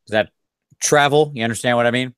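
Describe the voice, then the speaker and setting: A man hosting a casual tabletop gaming podcast, tired after a long day and talking in an animated, self-deprecating ramble. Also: medium pitch, fast, clear, resonant tone, no echo, clean studio sound. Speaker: podcast host. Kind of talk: casual chat.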